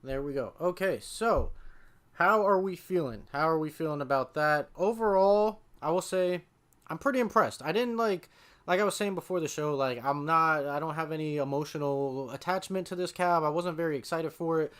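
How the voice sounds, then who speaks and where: Chatty male streamer, smooth voice. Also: a little high, moderate pace, fairly bright tone. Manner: chatty, informal, lots of "like". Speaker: streamer hosting a watch party. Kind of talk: casual live-stream talk.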